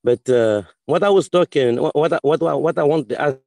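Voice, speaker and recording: A man in his forties from Senegal, whose first language is French, speaking as a panelist in an online call with many halting restarts. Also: a little high, creaky, mellow, no echo. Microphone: video call.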